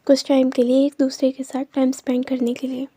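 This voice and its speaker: A shy young man in love, as a woman storyteller voices him, hesitant and sheepish. The voice is high and mellow, recorded dry. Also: monotone, a little fast, slightly rough, no echo.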